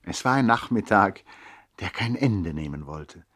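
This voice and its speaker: A man acting as a reflective narrator who recalls his boyhood in a measured, literary 1960s radio play style. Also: deep voice, animated, loud music behind the voice. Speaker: narrator and actor.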